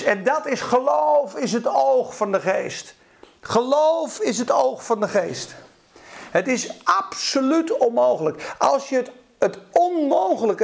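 A man preaching a charismatic sermon in an impassioned way, acting out quotes and breaking into sudden shouts. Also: extremely high pitch, vocal fry.

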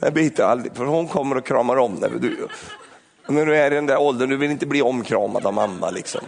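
Gravelly animated male preacher. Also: mid-range voice. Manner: animated, acts out voices and asides. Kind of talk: lively sermon.

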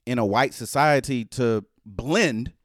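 A man's voice: mid-range voice, slow, dry recording, studio quality. A middle-aged man with an African American accent chatting casually, speaking emphatically with repetition and swearing. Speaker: panelist in a group discussion. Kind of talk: casual chat.

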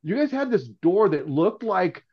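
A man's voice: high voice, sing-song, normal speed. A middle-aged man, a podcast guest talking casually and earnestly, often restarting his sentences. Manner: earnest, rambling, with frequent restarts. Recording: dull, lo-fi sound.

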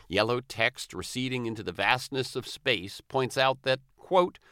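Casual: podcast host guy, gravelly voice, reads his narration in a steady measured way, dry close sound. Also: mid-range voice, dry recording. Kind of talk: scripted narration and interview chat.

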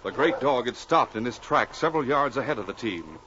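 A man's voice: mid-range voice, animated, fairly quick, sharp tone. A man announcing and narrating dramatically and emphatically in 1940s radio style. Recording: dull, noisy old radio recording.

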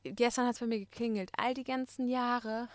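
A woman's voice: a little high, moderate pace, no room sound. A woman chatting casually and animatedly, acting out little stories. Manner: animated storyteller, acts out quoted voices. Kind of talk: casual chat.

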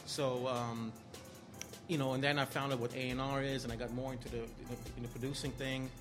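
A man with an Austrian accent talks quickly and easily about his own path, with a wry, self-deprecating touch. Music plays clearly underneath his voice the whole time. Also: medium pitch, little pitch movement. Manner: fast, easygoing, self-deprecating. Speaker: guest, music A&R. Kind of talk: casual interview storytelling. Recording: music playing behind.

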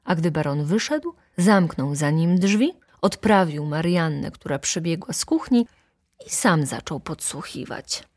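A woman narrating a classic novel as an audiobook in a steady, even storytelling manner. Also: deep voice, measured pace.

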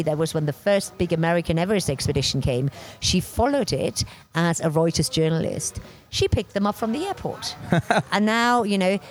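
Loud, animated woman from Bavaria, forties, slightly low voice, interview guest. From Germany, Bavaria. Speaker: interview guest, expedition record keeper. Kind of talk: casual interview talk.

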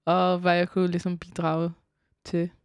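A woman, a composer and vocalist, talking as a guest in a casual radio interview and often pausing to search for words. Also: lowish voice, completely flat delivery, smooth, dry recording. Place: concert hall.

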